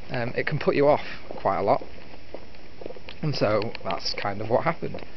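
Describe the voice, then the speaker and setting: A man's voice: on the low side, animated, moderate pace. A man in his twenties chatting in a rambling, casual, grumbling way as a video host, recorded on a handheld camera while walking outdoors. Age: 20s. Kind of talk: rambling casual vlog chat. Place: outdoors on a walk through countryside. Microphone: handheld camera at arm's length. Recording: muffled outdoor recording with loud ambient noise.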